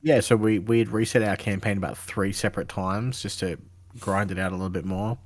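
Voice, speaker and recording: Very deep voiced guy on a gaming podcast, blunt, swears a lot. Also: fairly even intonation, brisk. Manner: blunt, swears casually, laughs easily. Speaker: podcast co-host. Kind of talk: casual gaming podcast chat.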